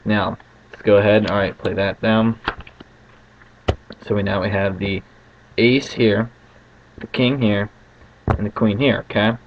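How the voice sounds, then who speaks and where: Low, flat-voiced man doing card magician patter. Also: unhurried, long pauses. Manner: checks in constantly with short tag questions. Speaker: card trick tutorial host. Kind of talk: casual card magician patter, demonstrating and explaining a trick step by step. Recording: muffled lo-fi home recording with faint noise.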